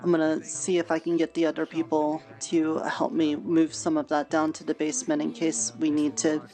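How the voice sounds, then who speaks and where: A woman with a fairly low voice chats in character during a virtual-world roleplay, hesitant and reassuring, often restarting her sentences. Faint music plays underneath her. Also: monotone, normal speed, mellow. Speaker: roleplay player running a farm. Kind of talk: casual in-character roleplay chat. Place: online virtual world voice chat.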